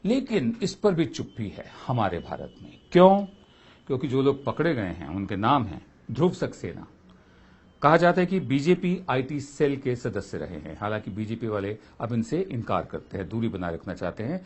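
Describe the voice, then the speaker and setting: A man's voice: mid-range voice, big pitch swings, moderate pace, darkish tone, breathy edge. A man giving a spoken commentary, impassioned and full of rhetorical questions.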